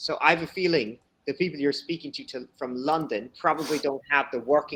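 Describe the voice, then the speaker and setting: A man with a Cork accent speaks at a moderate pace and a fairly high pitch. His tone is bright and sharp, with ordinary pitch variation. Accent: Cork Irish accent, educated, mild. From Ireland, Cork. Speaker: English teacher. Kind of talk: online English lesson. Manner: clear.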